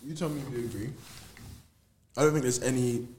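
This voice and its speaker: A man's voice: mid-range voice, brisk, darkish tone, a little hiss or hum. A man talking casually in a group discussion. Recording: roomy, echoing sound.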